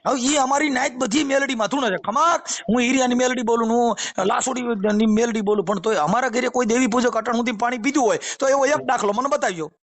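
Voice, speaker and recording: A man's voice: extremely high pitch, fast talker, hardly any pauses. A man with a Saurashtra Gujarati accent in a recorded phone call, arguing insistently and explaining at length. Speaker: caller, former folk shaman. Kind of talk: argumentative phone conversation.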